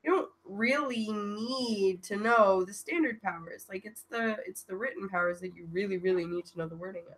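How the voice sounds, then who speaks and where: A woman's voice: mid-range voice, moderate pace, hardly any pauses. A woman co-hosting a podcast, chatting casually about tabletop game rules with lots of filler words. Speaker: podcast co-host. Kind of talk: casual chat.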